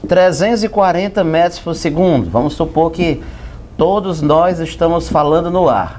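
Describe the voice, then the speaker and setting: A man giving a joking physics lesson, playfully asking and answering his own questions. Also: a little hiss or hum. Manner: playful, talks to himself in both roles, swings pitch for effect. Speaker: physics teacher.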